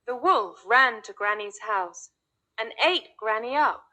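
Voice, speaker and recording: A woman narrating a children's fairy tale in slow, clear, deliberate English for young learners. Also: a little high, expressive, sharp tone. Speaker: storyteller. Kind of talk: scripted storybook narration.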